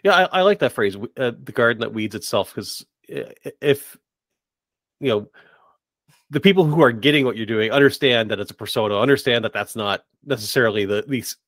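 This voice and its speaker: A man with a mid-range voice hosts a relaxed, conversational podcast interview. He speaks haltingly, often restarting and rewording what he means. The recording is dry, with almost no room sound. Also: medium pitch, dry recording. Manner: halting, rephrases questions as he goes. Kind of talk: casual interview chat.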